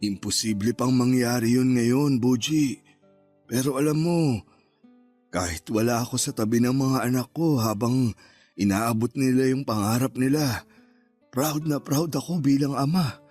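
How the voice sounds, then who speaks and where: An actor playing a remorseful middle-aged father, just out of prison, speaking quietly and wistfully in a radio drama. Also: mid-range voice, a little slow, long pauses, faint music behind, natural voice. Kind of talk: Tagalog radio drama acting, in-character narration.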